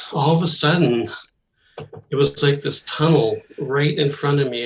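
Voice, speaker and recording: Somewhat breathy, a man talks at a moderate pace with a fairly high pitch. His intonation stays fairly even. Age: 60s. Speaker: near-death experiencer. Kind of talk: testimony. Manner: halting.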